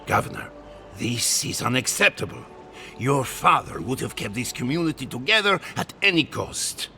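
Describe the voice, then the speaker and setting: Bright, animated old male mentor. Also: medium pitch, normal speed, soft background music, full character voice. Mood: indignant. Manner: earnest, courteous. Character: principled, protective old male mentor scholar. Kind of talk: dramatic video game dialogue.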